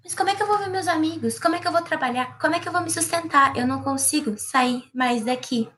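A woman's voice: high-pitched, quick pace, a bit bright, a little hiss or hum, pitched above the performer's own voice. A woman voicing a timid, stubborn little female ant who pleads in fear. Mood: pleading. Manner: frightened, pleading.

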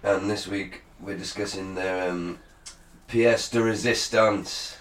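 A man's voice: sits low, steady tone, takes it slowly, echoey room, recorded from a distance, poor audio. A British man co-hosting a casual podcast, joking and laughing a lot. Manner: jokey, laughs a lot, drifts into silly voices. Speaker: podcast co-host. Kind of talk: casual chat.

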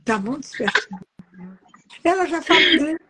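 A woman in her eighties, from Brazil, talking in a fairly high voice and sounding like a doting grandmother. She chats casually and reads short lines aloud from her own books. A faint hiss of background noise sits behind her. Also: expressive, normal speed. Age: 80s. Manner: warm, doting grandmother, pointing at pages with "ó". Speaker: author and guest.

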